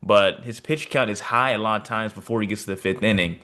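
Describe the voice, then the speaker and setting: A man's voice: lowish voice, brisk, fairly bright tone. A man co-hosting a casual sports podcast, talking in a let-down way with plenty of asides. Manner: disappointed, talks with fillers and asides. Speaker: podcast co-host.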